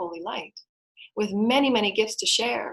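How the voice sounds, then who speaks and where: A woman talks at a fairly quick pace in a very clean recording with a silent background. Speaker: intuitive tarot reader and energy healer. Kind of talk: guided healing invocation. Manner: fast.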